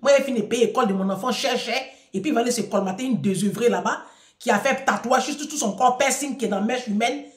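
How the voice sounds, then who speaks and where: A woman's voice: on the high side, fast, roomy sound. A middle-aged woman giving impassioned advice to her audience, emphatic and preachy, repeating phrases for force.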